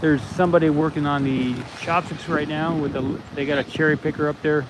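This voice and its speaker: A man talks with his viewers in a loose, rambling way, his voice a little on the high side. He records outdoors on a phone's built-in mic. Heavy wind noise buffets the sound throughout. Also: flat delivery, brisk. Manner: rambling, reads viewer comments aloud. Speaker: livestream host. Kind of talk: casual livestream chat with viewers. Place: outdoors near a launch site. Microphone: iPhone, built-in mic. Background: wind and vehicle noise.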